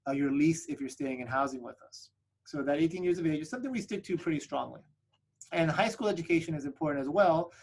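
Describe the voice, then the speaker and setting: An upbeat man whose first language is Spanish walks listeners through his flight school on a video call. His voice sits a little high for a man, and he keeps tossing in a quick "right?" as he pitches. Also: poor audio. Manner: upbeat sales pitch, frequent tag "right?". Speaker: flight school representative presenting a webinar. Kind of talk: presenting slides on a video call webinar.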